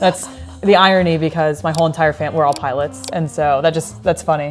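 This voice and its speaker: A woman's very deep, low voice at a very fast pace, with ordinary pitch variation and music in the background. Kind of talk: casual interview host talk to camera.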